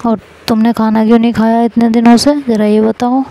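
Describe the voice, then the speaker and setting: A woman's voice: on the high side, little pitch movement, brisk, mellow, close to an everyday voice, poor audio. A woman voicing a protective, teasing young husband in a storytelling reading. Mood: scolding. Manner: scolding, fussing, teasing.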